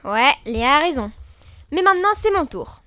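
A young woman co-hosting a scripted debate show, expressive and playfully indignant. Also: high-pitched, moderate pace, no room sound. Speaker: co-host.

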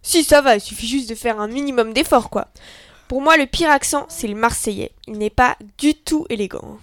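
A woman's voice: fairly high pitch, moderate pace, no room sound. A young woman co-hosting a scripted debate show, matter-of-fact and teasing. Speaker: co-host.

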